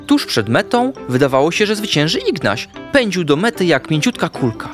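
Man reading a kids' animal story, super lively ups and downs, soft music behind. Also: on the high side, normal speed. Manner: expressive, playful storyteller. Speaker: narrator. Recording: faint background music.

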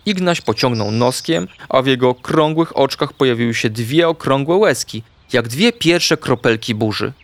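A man narrating a children's bedtime story in an expressive, playful way. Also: mid-range voice, moderate pace, hardly any pauses, no echo. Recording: faint background music.

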